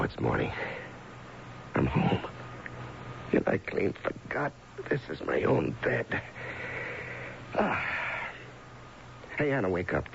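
An actor playing a gruff, insistent ex-convict husband in an old-time radio drama, speaking colloquially and pushing with questions. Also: male voice, deep voice, exaggerated voice. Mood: relaxed, cheerful. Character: gruff, insistent husband just pardoned from prison. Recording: dull, noisy old radio broadcast.

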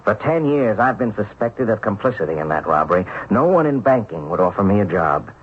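Low-voiced, determined wronged husband. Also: male voice, sing-song, a little fast, breathy edge. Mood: firm, insistent. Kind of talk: radio mystery drama acting. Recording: muffled, noisy old radio broadcast.

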